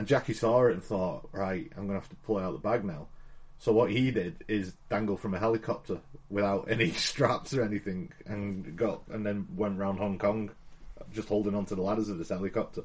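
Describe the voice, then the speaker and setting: With a plain, everyday voice, the speaker moves at a fairly quick pace with ordinary pitch variation. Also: man, fairly low pitch for a man. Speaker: podcast co-host. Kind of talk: casual chat.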